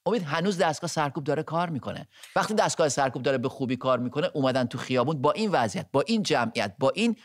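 A man's voice: a little high, expressive, no echo, studio quality. A man who is a guest on a political talk show, explaining his view step by step and listing his points. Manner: measured, explanatory, lists points one by one. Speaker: studio guest commentator. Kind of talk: political discussion.

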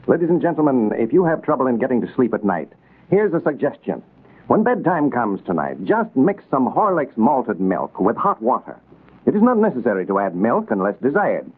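Male 1940s radio announcer, husky, soothing sales read, tinny old sound. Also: big pitch swings, normal speed. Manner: smooth, soothing sales pitch.

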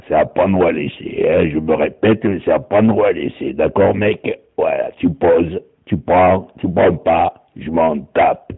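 A man putting on a low, gruff tough guy who talks curtly and dismissively. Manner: curt, dismissive. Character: gruff tough man, curt and take-it-or-leave-it. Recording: tinny phone-like sound.

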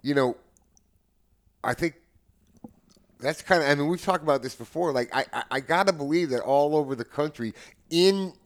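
Earnest American man in his seventies. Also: fairly high pitch. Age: 70s. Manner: earnest, halting, repeats words as they go. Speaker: podcast guest, house DJ. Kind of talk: casual conversation.

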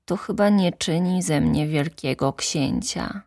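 A woman voicing the Little Prince, a gentle and lonely young boy, in an earnest, wondering storybook reading. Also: low-pitched, measured pace, creaky, no room sound, studio quality, full character voice.

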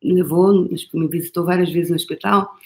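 A middle-aged Brazilian woman coaching a live audience with fervent emphasis. Her voice sits a little low for a woman and keeps calling the listener "my love". Her tone stays casual and outspoken, with a swear word here and there. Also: steady tone, normal speed, a little mellow. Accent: Brazilian Portuguese. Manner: emphatic, calls listener "meu amor", mild swearing. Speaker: motivational coach. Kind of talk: live motivational talk.

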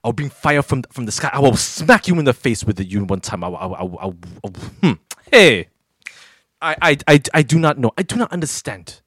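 A man's voice: medium pitch, sing-song, brisk, a bit bright, husky, no echo, studio quality. A podcast co-host putting on a Nigerian accent to play a stammering man who scolds a rival fan with insults. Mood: scolding. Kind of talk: comic rant on a podcast.

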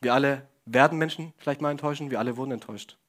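A man's voice: mid-range voice, very fast, a bit bright. A young man giving a casual sermon, speaking straight to the congregation with questions and joking asides. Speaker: preacher.

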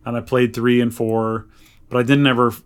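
A man with a medium-pitched voice co-hosts a casual podcast. He talks in a loose, rambling way and offers his opinions conversationally, as if catching up with a friend. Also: flat delivery, normal speed, smooth. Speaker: podcast co-host. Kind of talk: casual chat.

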